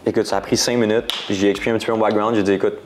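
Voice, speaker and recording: A young man with a Quebec French accent talks in a lowish voice. He rambles casually through his story in an interview, full of slang and English words mixed into his French. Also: flat delivery, racing, slight background noise. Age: 20s. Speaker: guest entrepreneur.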